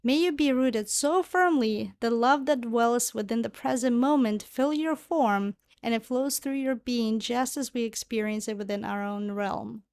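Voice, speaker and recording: A woman's voice: a little high, measured pace, hardly any pauses, a little mellow, no echo. A woman delivering a channeled spiritual monologue in formal, solemn phrasing, speaking as a spiritual guide.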